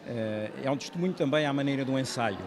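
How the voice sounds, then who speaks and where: A man, an author explaining his book in an interview, measured and full of hesitations. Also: medium pitch. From Portugal. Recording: outdoor crowd chatter behind.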